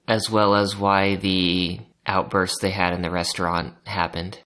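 A podcast co-host dropping in short, flat remarks during a casual chat. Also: low voice, a little slow. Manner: brief, flat interjections.

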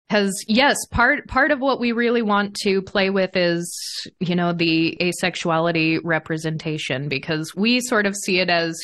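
A woman's voice: lowish voice, a bit bright. A woman hosting a casual interview, talking in a chatty, enthusiastic and emphatic way. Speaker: podcast host.

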